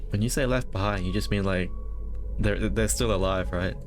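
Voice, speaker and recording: A man's voice: fairly low pitch, normal speed. A man giving casual, wry live commentary as he streams a horror game, with game music behind him. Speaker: streamer playing a horror visual novel.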